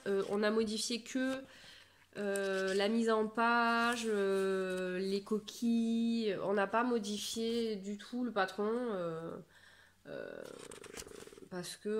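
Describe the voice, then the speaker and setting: A woman in her thirties from France, chatting casually to camera about her knitting, rambling and self-mocking with lots of fillers. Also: medium pitch. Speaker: knitting vlogger.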